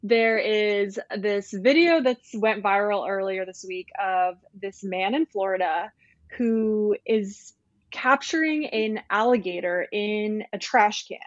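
Slightly dull, lo-fi audio with a dry sound carries a woman's voice at a medium pitch. She is a journalist on a panel, telling a story in a casual way. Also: slow pace, no echo.

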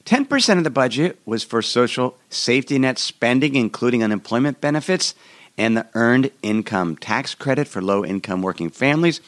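A hoarse man hosting a solo podcast, explaining in a rambling way with frequent restarts, recorded in a hotel room. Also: mid-range voice, animated, normal speed. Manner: rambling, repeats and restarts words. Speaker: podcast host.

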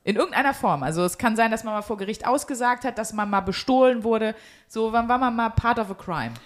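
A woman's voice: on the high side, a little fast. A woman hosting a podcast in casual, jokey chat, using slang and some English words, recorded at home. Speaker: podcast host.

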